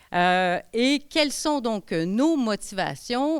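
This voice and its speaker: A woman speaks high, with very wide pitch swings. The recording is very clean, with a silent background. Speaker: professor. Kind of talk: conference lecture.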